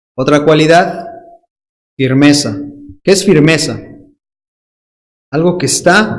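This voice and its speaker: A man's voice with audible room echo. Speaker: preacher. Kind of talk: sermon.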